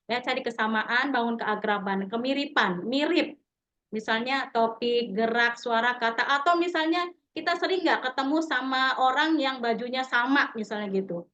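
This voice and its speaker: A woman's voice: a little high, moderate pace, bright, forceful tone, highs cut off. A woman giving a conversational online training talk as a business trainer, with frequent tag words and restarts. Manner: conversational, often acts out sample dialogues. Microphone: video call.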